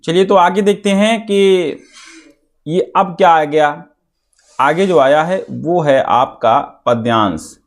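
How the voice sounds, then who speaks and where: A male teacher giving an exam-prep lesson, reciting verses slowly and then explaining them line by line while checking in with his students. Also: a little high. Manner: often checks in with students, repeating phrases.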